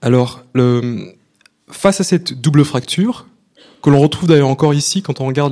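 On a very clean recording with a silent background, a man with a plain, everyday voice speaks at a moderate pace, his pitch fairly high with ordinary variation. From Martinique. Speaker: author and researcher. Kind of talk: public talk with Q&A. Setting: bookshop event with live audience.

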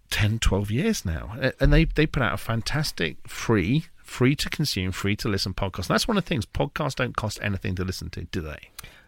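A man's fairly low voice in a British accent, at a fairly quick pace with very wide pitch swings, on a very clean recording with a silent background

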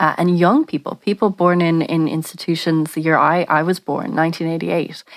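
A woman with an Irish accent speaks fairly quickly at a fairly low pitch in a flat monotone, recorded dry and close with no echo. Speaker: journalist and author. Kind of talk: panel discussion.

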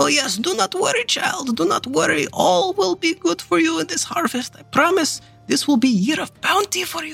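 A man in a put-on character voice at extremely high pitch, moderate pace, over faint music in the background. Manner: warm, reassuring.

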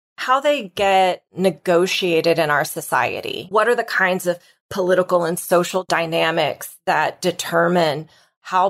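A woman has a plain, everyday voice with a fairly low pitch and ordinary pitch variation. She talks at a fairly slow pace on a very clean recording with a silent background. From Oklahoma. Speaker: professor. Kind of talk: interview.

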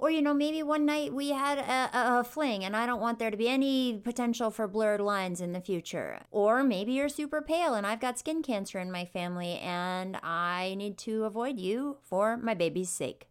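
An unremarkable speaking voice from a woman, fairly high in pitch, with lively intonation at a moderate pace and hardly any pauses, on a very clean recording with a silent background. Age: 30s. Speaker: podcast host, comedian. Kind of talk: casual chat.

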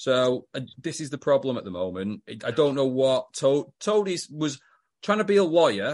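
The man's voice sits at a fairly high pitch with very wide swings. His pace is moderate. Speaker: podcast host. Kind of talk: casual chat.

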